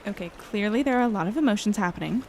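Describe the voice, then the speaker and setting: A woman's voice: mid-range voice, expressive, very fast, a little mellow, slight background noise, lightly acted. A woman playing a level-headed, conciliatory young negotiator in an audio drama, speaking earnestly and casually as she reasons. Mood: reasoning, firm.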